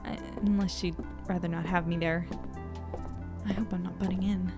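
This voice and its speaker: A woman's voice: on the low side, little pitch movement, moderate pace, close to an everyday voice. Woman acting an earnest young journalist over music. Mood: reflective. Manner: conversational, earnest. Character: Avra, curious, self-doubting young woman journalist. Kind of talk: audio drama acting and diary narration.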